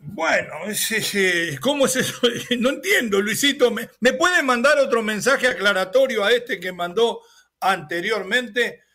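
High, bright-voiced Uruguayan radio man. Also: lively intonation, a little slow. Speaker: sports radio host. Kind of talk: casual sports talk.

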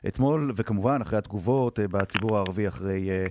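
A man's voice: fairly low pitch, noisy background. A man hosting a radio news program, asking probing questions and linking to reporters with frequent hesitations. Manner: probing, many hesitation fillers. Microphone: studio microphone.

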